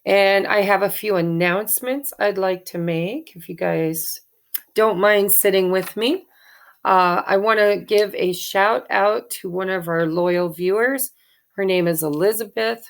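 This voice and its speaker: A woman, hoarse from allergies, chatting in a rambling, thankful way as host of a tarot channel, with many ums. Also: mid-range voice, slow. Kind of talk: casual chat to viewers.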